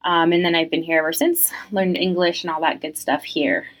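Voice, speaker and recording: A woman's voice: lowish voice, steady tone, a little fast. A young woman from France who grew up in the United States, answering interview questions in a chatty, reflective way with many fillers.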